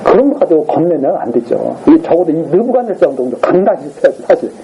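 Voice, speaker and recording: A man's voice: on the high side, very animated, fast, noisy background. A man preaching a Sunday morning sermon as a pastor, telling the story with feeling and acting out the lines of the king and his advisers. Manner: asks the congregation for agreement. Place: church sanctuary.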